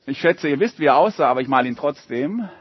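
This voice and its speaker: A man reading a story aloud to a group of children and drawing pictures along with it, in a lively, animated way. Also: fairly high pitch, fast talker, husky, no echo, highs cut off.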